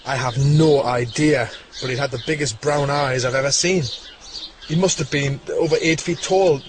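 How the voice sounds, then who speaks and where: An actor playing an awestruck but self-assured male researcher in an audio drama, speaking in dramatic, halting phrases. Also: mid-range voice, noisy background, close to an everyday voice.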